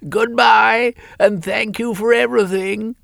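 A man's voice: sits high, steady tone, unhurried, creaky, a bit bright, no echo, studio quality, pitched above the performer's own voice, heavily acted. A man voicing a defiant young man who mockingly bids his mother farewell. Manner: haughty, mocking.

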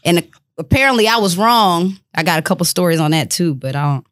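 A woman's voice: on the low side, lively intonation, brisk, no echo, studio quality. A woman with an African American accent chatting casually as a podcast co-host, speaking in a blunt, slangy way. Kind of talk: casual chat.

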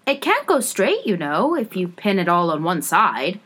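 A woman's voice: fairly low pitch, big pitch swings, normal speed, fairly bright tone, husky, full character voice. A woman voicing a polite, puzzled young storybook girl, speaking timidly and courteously, often questioning. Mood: helpful, fussing.

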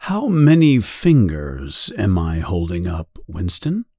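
A man voicing a calm, patient male interrogator who speaks softly and slowly, with quiet menace. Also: low-pitched, slightly rough, dry recording, studio quality, pitched below the performer's own voice, full character voice. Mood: calm, probing. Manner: soft, slow and controlled. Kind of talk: audiobook character voice.

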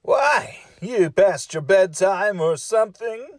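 A man's voice: high-pitched, animated, slow, no echo. A man playing a cranky, goofy, boastful horror-show host, teasing and clueless in comic banter. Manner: theatrical, teasing, clueless wisecracking. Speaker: podcast host character.

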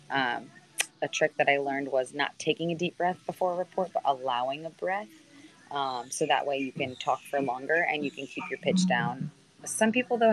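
A woman in her thirties with a naturally deep voice, a sideline reporter chatting on a video call, sprinkling her answers with ums and restarts. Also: rough recording. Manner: conversational, lots of fillers and restarts. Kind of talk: answering student questions on a call.

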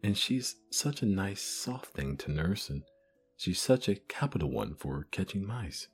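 A man's voice: sits low, big pitch swings, a little slow, faint music behind, exaggerated voice. A man voicing a curious, polite young girl who chatters earnestly. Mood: soothing.

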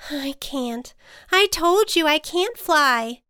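A woman's voice: sits high, very animated, slow pace, a bit bright, no echo, clean studio sound, voice pushed up, full character voice. A woman voicing a timid, stubborn female butterfly in a children's storybook, with an anxious, protesting and exclamatory manner. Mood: reluctant.

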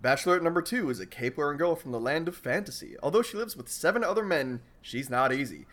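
A man's voice: fairly high pitch, animated, fast talker, fairly bright tone. Man reading as a sleazy magic-mirror announcer, lightly put on. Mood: teasing. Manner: mock dating-show announcer. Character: smarmy male magic mirror, game-show host patter.

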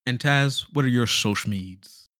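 A man's voice: mid-range voice, unhurried, a bit bright, dry recording, clean studio sound. A man hosting a podcast in casual chat, talking like an enthusiastic fan with joking asides. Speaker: podcast host. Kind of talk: casual podcast chat about games and films.

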